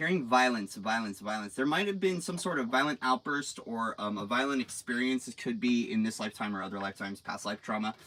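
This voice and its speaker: A loud man at a medium pitch, with lively intonation and a fairly quick pace. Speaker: tarot reader. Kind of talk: live stream tarot reading. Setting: live stream. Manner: talking loudly.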